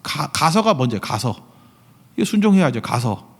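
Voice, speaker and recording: A man's voice: a little high, big pitch swings, moderate pace, breathy edge. Emphatic male pastor in a reverberant hall. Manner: emphatic preaching with rhetorical questions to the congregation. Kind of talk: sermon. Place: large church sanctuary. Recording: long reverb of a church hall.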